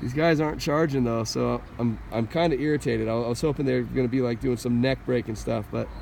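A man filming a casual vlog from a car and outdoors, talking excitedly with lots of "dude" and "like". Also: mid-range voice, brisk, creaky, a little hiss or hum. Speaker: vlogger. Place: in a car and outdoors at a ski resort.

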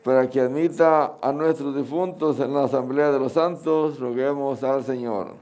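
A man's voice: mid-range voice, steady tone, normal speed, darkish tone. A middle-aged man with a Mexican Spanish accent, speaking as a Catholic priest at Mass. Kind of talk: sermon and prayers at Mass. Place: outdoors under a canopy at an altar.

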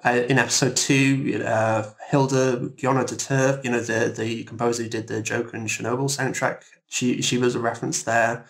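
A man speaking as an interviewed guest in a thoughtful discussion, halting and reflective, often repeating words. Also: mid-range voice, little pitch movement, vocal fry, a bit bright.

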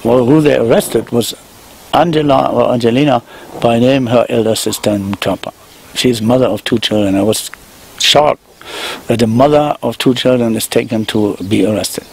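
A German man in his sixties with a German accent, making an earnest, halting appeal in an interview, recorded outdoors on a handheld mic. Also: medium pitch, gravelly, a little mellow, slightly rough, rough recording. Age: 60s. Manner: earnest, halting, with many restarts. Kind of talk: emotional appeal in a news interview. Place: outdoors among garden shrubs. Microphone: handheld microphone held below the frame.

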